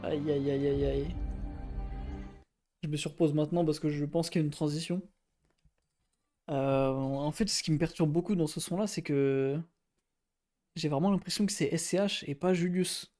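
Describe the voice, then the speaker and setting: A man's voice: a little high, fairly even intonation, normal speed, long pauses, mellow, faint music behind. A man streaming his reaction to an album, talking casually and hesitantly while he searches for his words. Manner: hesitant, searching for words, fillers like "euh" and "hein". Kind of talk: casual thinking-aloud reaction.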